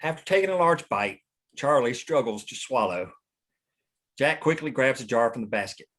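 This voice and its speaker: Male narrator for a screenplay read, mid pitch, reading scene headings and action. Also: animated, moderate pace, fairly bright tone. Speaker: narrator reading stage directions.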